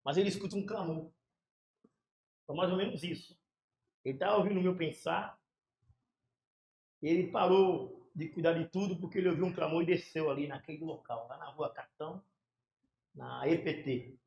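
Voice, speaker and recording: A man, a pastor telling his conversion story with fervor, in pauses and restarts. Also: on the high side, gravelly, darkish tone, highs cut off, slight background noise. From São Paulo area, Brazil. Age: 60s. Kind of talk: emotional conversion testimony in a casual chat. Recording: echoey room.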